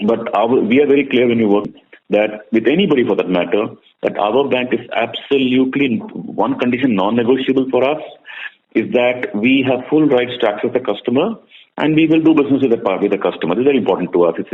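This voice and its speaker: A man's voice: mid-range voice, a little fast. A man with an Indian accent answering analysts on an earnings call as a bank executive, talking conversationally and emphatically, often repeating his words. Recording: muffled narrow-band conference call audio.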